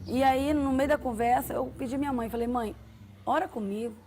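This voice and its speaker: A woman's voice: sits high, brisk, dark tone, a little hiss or hum. A woman giving an earnest personal testimony, often ending her phrases with a tag question. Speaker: testimony giver. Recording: music playing behind the voice.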